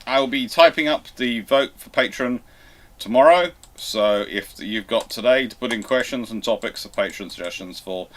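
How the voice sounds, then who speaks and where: Halting man thinking aloud. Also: mid-range voice. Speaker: host of a live question and answer stream. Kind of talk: casual live discussion.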